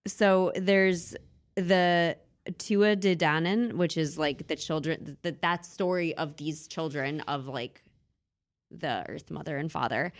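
A woman's voice: low voice, takes it slowly. A woman in casual conversation, retelling old myths in a chatty, giggly way with lots of fillers and restarts. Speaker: podcast co-host. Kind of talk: casual chat about mythology.

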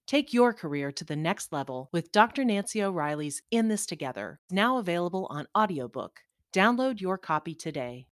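A woman's voice: on the low side, lively intonation, normal speed, few pauses, no room sound. A woman reading a polished, scripted commercial for an audiobook. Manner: polished, promotional. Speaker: ad narrator.

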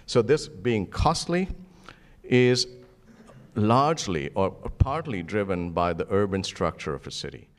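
A man with a very deep voice speaks on a panel. He explains an economic argument in a measured, analytical way. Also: big pitch swings. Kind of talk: panel discussion.

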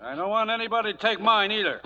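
A suspicious rancher ready for a dispute in a 1940s radio western. His American voice is high and sharp. The recording is dull and old. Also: lively intonation, quick pace, full character voice. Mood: wary, challenging. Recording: dull vintage radio recording, faint noise.

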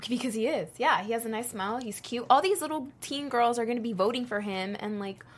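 Breezy woman co-host, higher voice. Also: brisk. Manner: breezy, short agreeing remarks. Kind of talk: casual chat about a TV show.

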